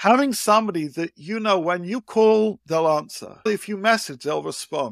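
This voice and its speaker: A British accent in a dry, close sound with no echo. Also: man. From UK. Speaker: rabbi and educator. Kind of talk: interview conversation.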